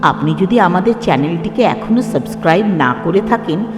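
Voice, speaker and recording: Female show announcer, lively intonation, scripted delivery, reverberant sound over a music bed. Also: fairly low pitch, a little fast. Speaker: programme announcer. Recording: echoey hall reverb, music underneath.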